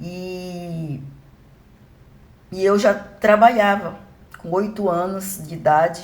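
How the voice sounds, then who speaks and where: Somewhat breathy, the voice carries fairly even intonation with audible room echo. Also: woman. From Brazil, rural interior of Maranhão. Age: 60s. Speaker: evangelical preacher. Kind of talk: casual religious video talk, personal testimony. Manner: informal, conversational.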